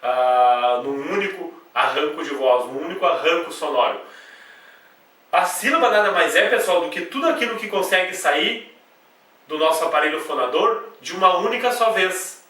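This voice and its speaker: A Brazilian man teaches a grammar lesson to camera. He breaks each point into small steps and sounds syllables out slowly, with a bright, somewhat high voice. The camcorder sits some way off, so his voice rings through a very reverberant room. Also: lively intonation. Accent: Brazilian Portuguese. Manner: explains step by step with frequent checks like "né?" and "tá?". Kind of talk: video lesson at a whiteboard. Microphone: camcorder mic away from the speaker. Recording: echoey room, voice from a distance.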